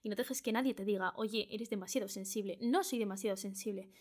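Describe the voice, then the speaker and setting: A woman's voice: medium pitch, quick pace. A young woman from Spain hosting her own podcast, speaking earnestly to the listener and repeating phrases for emphasis. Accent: Spain Spanish. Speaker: podcast host. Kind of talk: solo advice podcast monologue.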